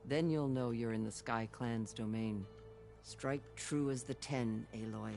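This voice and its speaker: Tribal advisor, video game, mid-pitched, steady, instructive, formal phrasing, seasoned. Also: male voice, measured pace, creaky, faint music behind. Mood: encouraging, solemn.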